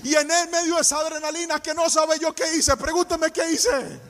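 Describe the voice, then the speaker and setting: A man's voice: very high voice, fairly even intonation, moderate pace, fairly bright tone, slight background noise. A man preaching a sermon, passionate and storytelling, often singing out his phrases.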